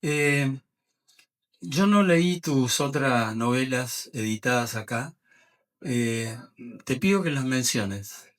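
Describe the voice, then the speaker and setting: A man's voice: mid-range voice, animated, slow, fairly bright tone. Argentine male interviewer; casual, brief questions at a book event. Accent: Argentine Spanish.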